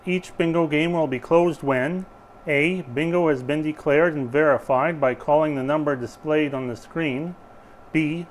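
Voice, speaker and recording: Higher-voiced man as bingo caller. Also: a little hiss or hum. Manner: formal, procedural announcing. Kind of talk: bingo caller reading scripted announcements and rules.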